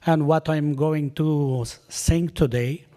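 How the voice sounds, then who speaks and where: A man whose first language is Persian, giving a short, halting speech with many pauses and fillers before he performs. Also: on the high side, steady tone, warm tone. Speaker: guest musician and poet. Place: award ceremony hall.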